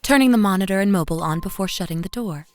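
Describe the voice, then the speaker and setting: A woman acting as a devoted, worn-out young mother narrates a scripted horror audio drama. Her storytelling is intimate and expressive, at an ordinary female pitch. Music plays underneath her voice. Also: very fast, lightly acted. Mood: tender, uneasy. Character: weary, devoted young mother recounting an unsettling night. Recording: voice over music bed.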